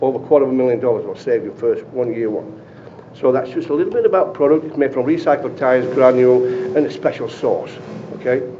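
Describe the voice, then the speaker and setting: With an English accent, a man talks at a very fast pace amid noticeable background noise and audible room echo. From northern England. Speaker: company representative. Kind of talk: sales pitch. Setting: city council meeting.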